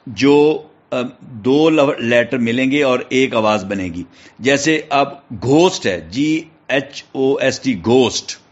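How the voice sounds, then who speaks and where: Male teacher, Pakistani accent, spells words slowly, muffled lo-fi recording. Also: medium pitch. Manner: spells words letter by letter, checks in with "theek hai". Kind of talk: classroom lecture. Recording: dull lo-fi recording.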